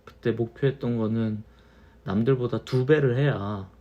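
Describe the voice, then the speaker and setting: A man in his thirties, a little tipsy from wine, musing slowly in a casual monologue and repeating his phrases. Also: medium pitch, dark tone, lo-fi sound. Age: 30s. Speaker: channel host.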